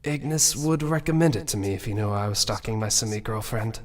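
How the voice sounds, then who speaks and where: A man playing an awkward, self-doubting young prince musing to himself in a fan audio drama, with a husky voice. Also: on the low side, brisk, far from the mic, lightly acted. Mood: flustered. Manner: casual, introspective musing.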